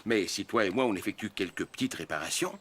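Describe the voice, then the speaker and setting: Animated, reassuring old grandfather. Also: lowish voice, fast, slight background noise. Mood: patient, reassuring. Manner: patient, explaining. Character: patient, reassuring grandfather, older man. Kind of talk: children's cartoon dialogue.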